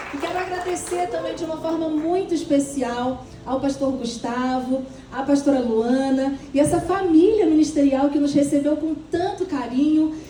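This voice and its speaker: Speaking with a strong Rio de Janeiro accent, a woman talks at a moderate pace in a high pitch with ordinary pitch variation, amid noticeable background noise and audible room echo. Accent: Rio de Janeiro (carioca) accent, strong. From Brazil, Petrópolis, Rio de Janeiro state. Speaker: pastor. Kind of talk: sermon. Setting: church conference with audience.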